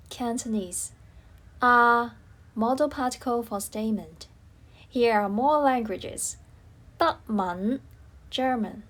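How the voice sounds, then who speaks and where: A woman presenting a scripted language lesson as teacher, saying words and phrases one by one in a deliberate, carefully separated way. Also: mid-range voice.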